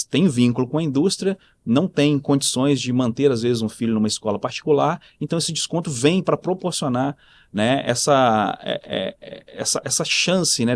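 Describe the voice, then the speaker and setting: A man from southern Brazil with a faint mixed Brazilian accent, explaining conversationally as an interview guest and often adding short tags to seek agreement. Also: mid-range voice. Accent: Brazilian, faint mixed regional. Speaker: school director, interview guest.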